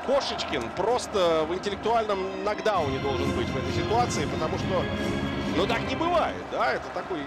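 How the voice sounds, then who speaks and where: A man calling ice hockey play-by-play as a partisan home-team commentator, moving between subdued and excited delivery. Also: fairly high pitch. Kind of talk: live sports play-by-play commentary. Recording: loud arena noise behind the voice. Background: noisy hockey arena.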